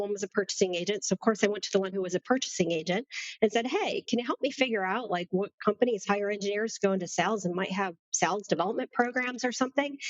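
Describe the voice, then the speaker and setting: Pitched in the middle range with ordinary variation, a woman's voice comes across as a normal speaking voice. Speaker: regional sales director in industrial automation. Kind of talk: casual interview chat.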